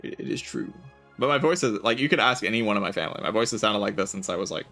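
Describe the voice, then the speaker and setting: A man streaming a game, chatting casually in a relaxed, raspy voice with vocal fry, often saying "like". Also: lowish voice, fast talker, soft background music. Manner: relaxed, laid-back, chatty with filler "like". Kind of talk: casual chat while gaming.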